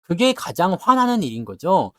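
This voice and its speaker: A man talks stock markets to his viewers in a blunt, scolding way, firing off rhetorical questions and mimicking their grumbles. His voice sits high and swings widely in pitch. The sound is dry and close. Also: wildly swooping pitch, sharp tone, no room sound. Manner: acts out investors' grumbling in quick asides. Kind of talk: lively market talk to viewers.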